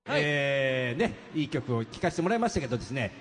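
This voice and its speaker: A man hosting a live stage event, firing off chatty questions at a very fast clip. His voice rides a little high and lively in pitch. Long hall reverb hangs behind him. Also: a little hiss or hum. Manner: quick, chatty, leading questions. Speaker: event host.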